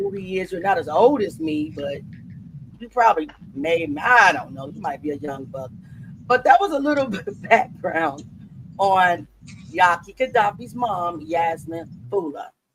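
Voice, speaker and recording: A high-pitched man at a moderate pace, with lively intonation, big swings in loudness and noticeable background noise. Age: 50s. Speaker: livestream host. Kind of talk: casual chat.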